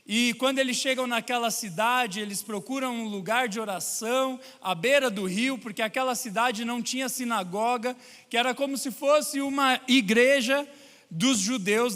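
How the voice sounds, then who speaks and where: A man with a Brazilian Portuguese accent preaching a sermon in a church, lively and joking with his congregation. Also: very high-pitched, long reverb tail. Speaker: pastor. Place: large church hall.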